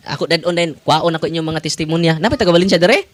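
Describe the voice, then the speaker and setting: A Catholic priest, preaching to parishioners in an animated style, laughing often and switching between languages. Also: a little high, quick pace. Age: 40s. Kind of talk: sermon to parishioners.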